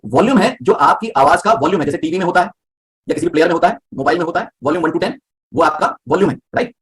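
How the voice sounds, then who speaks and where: A man teaching a live voice class, explaining breathing, volume and pitch with everyday examples and often checking whether students follow. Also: very fast, fairly bright tone. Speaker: voice coach.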